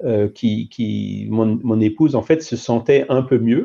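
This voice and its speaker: A man's dark, mellow voice at medium pitch, with ordinary pitch variation against a quiet background. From France. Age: 60s. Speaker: retired engineer. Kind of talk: testimony. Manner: halting, many hesitations.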